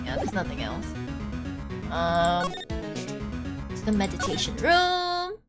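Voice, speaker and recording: A woman's voice: mid-range voice, big pitch swings, slow pace. A woman giving casual, meandering let's-play commentary in a giggly manner. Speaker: gamer playing and voicing the dialogue. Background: game music.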